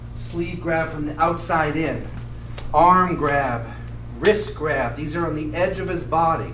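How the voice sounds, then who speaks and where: There is noticeable background noise. A man speaks over it at a fairly slow pace. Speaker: martial arts instructor. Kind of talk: class instruction. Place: gym. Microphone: camera far.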